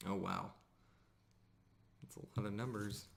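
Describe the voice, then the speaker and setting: Male game master, low register, unhurried delivery, casual and halting narration for a live tabletop stream. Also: fairly even intonation, creaky.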